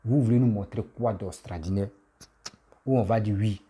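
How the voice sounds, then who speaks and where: A man's voice: fairly low pitch, moderate pace, dark tone, husky. A man who has a cold, giving a casual, insistent political rant that scolds his listeners. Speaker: political commentator.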